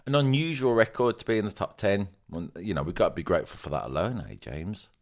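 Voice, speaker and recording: A man's voice: on the low side, expressive, fast. A man co-hosting a podcast in casual chat, jokey and reading out listener comments with playful emphasis. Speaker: podcast co-host.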